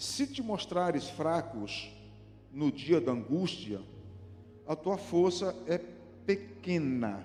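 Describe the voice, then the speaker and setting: Swinging very widely in pitch, a man speaks at a very slow pace. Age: 60s. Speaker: pastor. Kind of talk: sermon.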